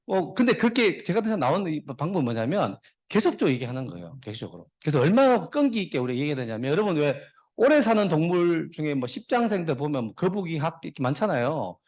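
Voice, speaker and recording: Middle-aged male guest speaker, joking storyteller, rapid and lively. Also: on the high side. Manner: jokey storyteller, dad jokes, talks to the audience. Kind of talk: motivational speech.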